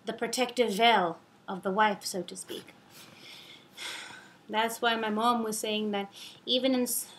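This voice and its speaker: A young adult woman telling a personal story in a casual, animated, rambling way, acting out the dialogue as she goes. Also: a little high, slight background noise.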